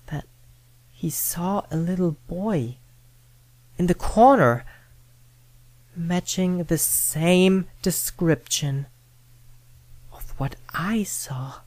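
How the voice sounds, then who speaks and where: A woman narrating a first-person scary story in a dramatic, deliberate manner with suspenseful pauses. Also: fairly low pitch, lively intonation, a little mellow, no room sound. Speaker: horror story reader. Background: background music.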